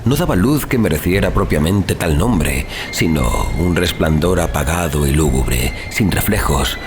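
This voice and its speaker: A man's voice: deep voice, animated, a little slow, noisy background. A man reading a literary horror story as a narrator, in a solemn, suspenseful, dramatic style. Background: music.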